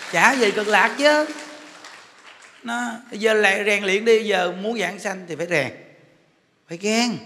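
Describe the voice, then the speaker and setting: Bright-voiced Southern Vietnamese monk joking. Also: male voice, high voice. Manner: chatty, joking storyteller. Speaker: Buddhist monk teacher. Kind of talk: humorous dharma talk. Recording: echoey hall with faint noise.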